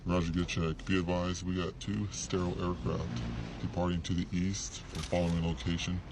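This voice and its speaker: A clipped soldier over a helmet radio. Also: male voice, low voice, little pitch movement, normal speed, noisy background. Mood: businesslike. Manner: clipped military radio procedure. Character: terse male soldier on radio comms.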